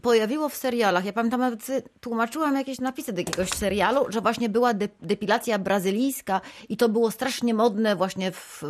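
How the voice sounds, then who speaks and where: A woman co-hosting a radio talk show, teasing and telling stories in a lively way. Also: a little high, a little fast, few pauses, slight background noise. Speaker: radio co-host. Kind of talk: casual radio chat.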